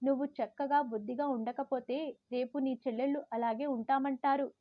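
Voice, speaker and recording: A stern old grandmother lecturing in a raised, slightly high voice, as a woman reads her part. The sound is dry and a little dull, like a plain home recording. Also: steady tone, normal speed, no room sound, natural voice. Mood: scolding. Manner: scolding, lecturing.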